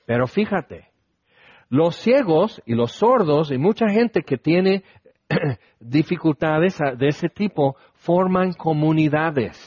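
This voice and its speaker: A man's voice: on the high side, animated, slow, a little mellow, slightly rough, no echo, lo-fi sound. A man preaching a conversational sermon, asking his listeners questions and acting out the lines he quotes.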